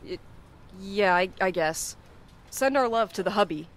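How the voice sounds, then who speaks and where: A woman's voice: medium pitch, expressive, measured pace, natural voice. A woman playing an irreverent young courier in an audio drama, with a wry, teasing, casual manner. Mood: awkward. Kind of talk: naturalistic audio drama acting.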